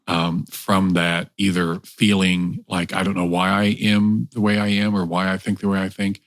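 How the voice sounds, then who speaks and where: A man with a very low voice talks thoughtfully, often pausing and restarting as he looks for the right words. The sound is dry and close, with no room echo. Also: flat delivery. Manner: thoughtful, halting, searching for words. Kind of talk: conversational podcast chat.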